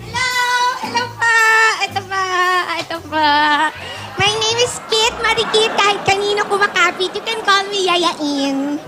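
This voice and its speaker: A man playing a shrill, chatty young maid applicant. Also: measured pace, loud music behind the voice. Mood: eager chatter. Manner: shrill, talkative, over-eager, boastful. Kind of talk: live comedy sketch. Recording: noisy live broadcast.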